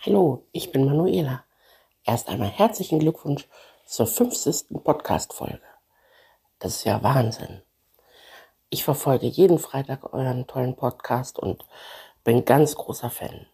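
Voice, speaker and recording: A woman's voice: very deep voice, expressive, measured pace, creaky, long pauses, mellow, breathy edge. A woman of forty-six giving a casual, enthusiastic spoken message as a listener.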